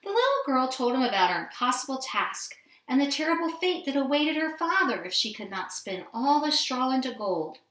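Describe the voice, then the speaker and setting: A woman reading a fairy tale aloud to children in an expressive storytelling style. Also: high-pitched, normal speed, hardly any pauses. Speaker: storybook reader. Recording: roomy indoor echo.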